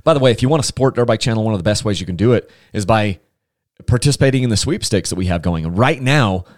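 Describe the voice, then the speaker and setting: A man's voice: on the low side, expressive, fast, dry recording, clean studio sound. A man hosting a casual solo podcast, chatty and enthusiastic, rambling with frequent restarts. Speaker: podcast host.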